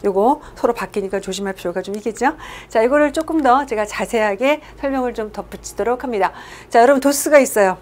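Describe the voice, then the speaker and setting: A woman's voice: mid-range voice, darkish tone, slight background noise. A woman teaching English to a class. She asks the class questions and acts out short example dialogues. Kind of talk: lecture-style English lesson.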